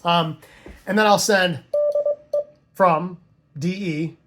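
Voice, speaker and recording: Male tutorial presenter, noticeably high pitch, informal and conversational, explaining step by step with casual asides. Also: fairly even intonation, drawn-out words, a bit bright. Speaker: amateur radio instructor and operator.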